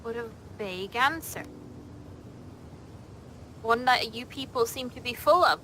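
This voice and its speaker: A woman improvises in-character lines for a tabletop game, questioning firmly and warily. Her voice is a bit high and very bright, with faint background noise. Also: expressive, measured pace, rough recording. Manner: suspicious, firm questioning. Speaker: tabletop roleplay player.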